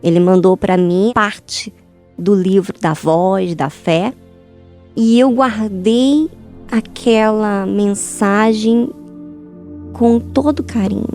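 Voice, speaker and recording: A woman's voice: mid-range voice, steady tone, slow, a little mellow, soft background music. A woman gives an earnest faith talk to women, speaking to them directly and asking question after question. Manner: earnest, addresses listeners directly with repeated questions. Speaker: speaker at a church youth meeting.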